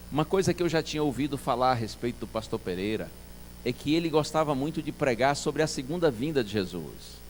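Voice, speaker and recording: A male pastor preaching a sermon as a story, acting out dialogue and swinging from soft to loud. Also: fairly high pitch, a little hiss or hum.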